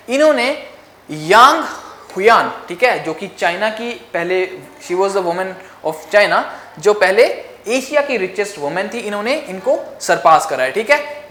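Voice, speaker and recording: A woman's voice: medium pitch, fairly bright tone, reverberant, a little hiss or hum. A woman with an Indian accent teaching a current affairs exam lesson, mixing English phrases into her explanation and checking in with frequent "ok?" questions. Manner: repeats key facts with frequent "ok?" check-ins.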